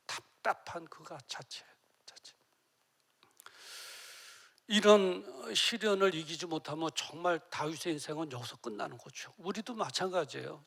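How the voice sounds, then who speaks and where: This emotional sermon comes from a middle-aged pastor whose voice is on the high side, slightly rough, with vocal fry. He drops to near-whispers and climbs to loud cries while acting out tearful prayers.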